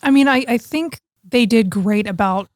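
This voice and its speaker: A woman's voice: on the high side, normal speed, no room sound. Easygoing female podcast co-host, dry sound. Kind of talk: casual podcast chat.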